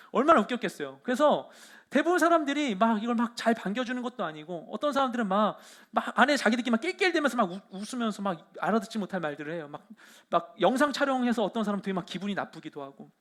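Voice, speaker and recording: A young adult male pastor preaching a sermon in storytelling style, with many fillers and animated retelling. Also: high voice. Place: church hall.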